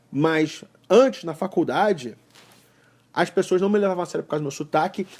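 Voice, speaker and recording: Here a man talks at a moderate pace in a high pitch. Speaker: podcast host. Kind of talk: casual interview.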